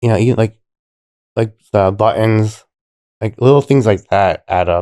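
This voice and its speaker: A man speaks in a calm, dark, mellow tone at a fairly low pitch, the sound dry and close with no echo. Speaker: burn survivor, face transplant recipient. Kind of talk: interview conversation. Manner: monotone; calm, flat delivery.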